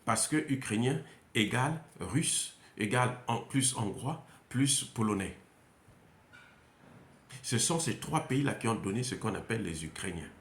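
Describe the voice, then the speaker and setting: Male, Central African French accent, emphatic and repetitive, lively pitch, echoey room. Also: unhurried, a little hiss or hum. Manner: emphatic, repetitive, many hesitations. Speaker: commentator. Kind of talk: unscripted monologue. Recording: roomy echo.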